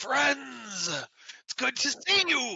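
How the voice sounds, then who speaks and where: A man puts on a character voice that is gravelly, gruff and guttural. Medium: actual play.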